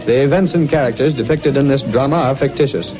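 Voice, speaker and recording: A man announces in a booming, dramatic 1930s radio style. Loud music plays behind him on the old recording. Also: fast, low-quality recording.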